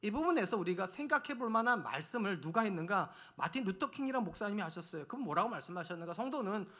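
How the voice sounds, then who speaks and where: A middle-aged male pastor delivers a Sunday sermon with a high, bright voice. He swings his pitch widely as he acts out little quarrels with his wife to make his point. It was recorded in a church sanctuary. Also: lively intonation, quick pace. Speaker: senior pastor.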